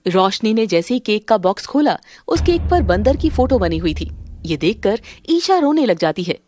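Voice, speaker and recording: A woman's voice: medium pitch, moderate pace. A woman narrating a family drama and voicing its characters in a dramatic manner. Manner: dramatic, switches between calm narration and quarrelsome voices. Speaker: narrator and voice of several women. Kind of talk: Hindi family-drama storytelling with voiced parts.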